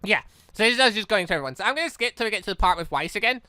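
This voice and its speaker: Reading visual novel dialogue during his let's play, the gaming video host races along in a high, bright, pushed voice with lively intonation, rambling and stammering through corrections. There's no room sound, though music plays under him.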